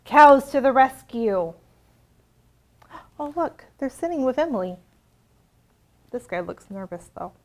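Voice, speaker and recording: A woman librarian leading an interactive storytime for young children, expressive and asking simple questions. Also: sits high, a little slow, long pauses, slight background noise.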